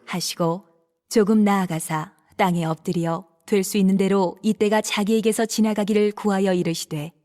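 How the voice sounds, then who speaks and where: A woman narrating scripture for an audio Bible drama, telling the story in a steady, even way. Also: mid-range voice, moderate pace.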